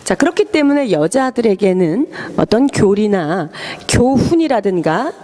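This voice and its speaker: A woman's voice: mid-range voice, big pitch swings, unhurried, warm tone. A woman interpreting a sermon live in a church, explaining each point in an emphatic preaching tone.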